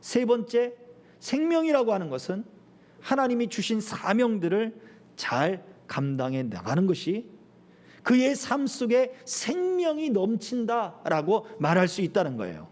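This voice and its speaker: A middle-aged man preaching a sermon as pastor, animated, acting out quoted voices as he goes. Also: high voice, a little slow.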